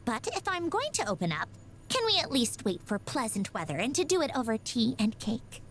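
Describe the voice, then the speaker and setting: A woman's voice: a little high, very animated, fairly quick, a little hiss or hum. An actress voicing a proud, ladylike young machine doll in a video game, with a prim, precisely worded delivery. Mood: exasperated. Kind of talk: scripted video game character voice lines. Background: music.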